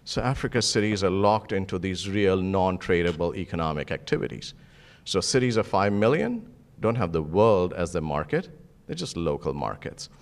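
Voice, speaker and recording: A man's voice: low-pitched, very animated, moderate pace. A man on a panel, explaining urban economics in an analytical way. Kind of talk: panel discussion.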